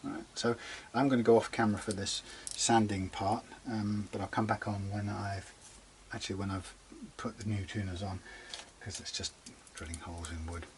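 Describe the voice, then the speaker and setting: A man talking casually through a guitar setup in his workshop, rambling and chatty, muttering quietly as he works. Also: lowish voice, fairly even intonation, moderate pace, few pauses, slight background noise. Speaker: guitar repair demonstrator. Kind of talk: casual workshop how-to talk.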